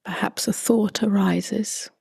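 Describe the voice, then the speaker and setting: A woman leading a guided meditation in a soft, breathy half-whisper, with calm, gently spaced phrases. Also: mid-range voice, takes it slowly, no room sound. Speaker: meditation teacher.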